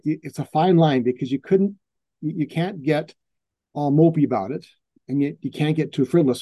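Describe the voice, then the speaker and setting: Mellow-voiced man telling animated stories. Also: on the high side, no room sound. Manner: animated, acts out quoted voices, restarts often. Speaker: portrait photographer telling client stories. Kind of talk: casual storytelling in an interview.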